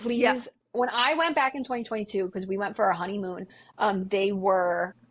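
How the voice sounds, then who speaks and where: In a normal speaking voice, a woman talks at a moderate pace with medium pitch and ordinary pitch variation. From Ohio, Cleveland area. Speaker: social media content creator. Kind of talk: podcast interview.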